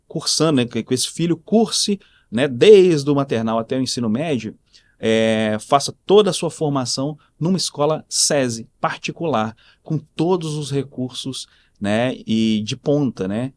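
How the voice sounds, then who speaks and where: A man's voice: medium pitch, animated, unhurried. A man from southern Brazil with a faint mixed Brazilian accent, explaining conversationally as an interview guest and often adding short tags to seek agreement. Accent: Brazilian, faint mixed regional. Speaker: school director, interview guest.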